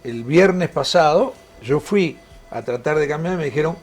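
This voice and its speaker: A man's voice: fairly high pitch, animated, moderate pace, slightly rough, faint music behind. A man from Argentina with an Argentine accent, co-hosting a morning TV talk show in a chatty, joking way. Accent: Argentine Spanish. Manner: chatty, joking, reads out ad figures. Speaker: TV show co-host. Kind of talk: casual TV talk show banter.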